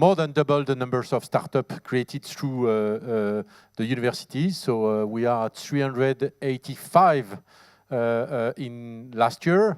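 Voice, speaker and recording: A man with a strong French accent speaks at a fairly slow pace with ordinary pitch variation, in a dry, close sound with no echo on a very clean recording with a silent background. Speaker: investment bank executive. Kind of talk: conference presentation. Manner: halting, many fillers.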